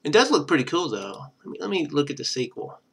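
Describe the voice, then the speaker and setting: A man's voice: a little high, big pitch swings, fast talker, vocal fry, fairly bright tone, slightly rough. A man streaming a game, reading its narration aloud and breaking off into rambling, chatty casual commentary. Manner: rambling, chatty asides between read passages.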